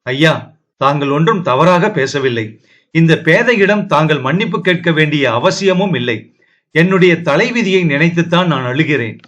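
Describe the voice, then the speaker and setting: Guy reading a crying young princess, kinda high voice, pleading and sad. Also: expressive, moderate pace, fairly bright tone. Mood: tearful. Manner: pleading, sorrowful. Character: young princess, tearful and fearful.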